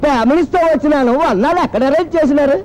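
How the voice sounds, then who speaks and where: An actor playing a silly wedding guest who chants and boasts in a high comic voice, from a comedy film. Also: male voice, racing, loud music behind the voice, low-quality recording. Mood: cocky. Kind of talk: 1990s comedy film dialogue.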